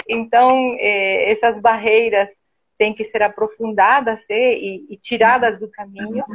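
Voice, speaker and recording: Slow-talking woman with an Argentine accent. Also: on the high side, fairly even intonation, slightly rough, lo-fi sound. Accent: Argentine Spanish. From Argentina (Buenos Aires), born in Brazil. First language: Spanish. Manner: slow, hesitant, many fillers. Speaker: guest, architect and interior designer. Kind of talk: casual conversation.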